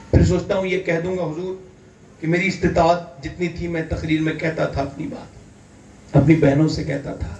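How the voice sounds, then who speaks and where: A man from India preaching an impassioned sermon, fervent and building to loud emphatic peaks. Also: on the high side, slight background noise. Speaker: Islamic preacher. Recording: echoey hall, distant mic, faint ambience.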